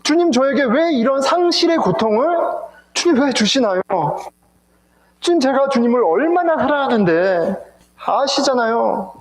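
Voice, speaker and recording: Grieving woman pleading, high and anguished, echoey church, a pastor doing her. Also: expressive, normal speed.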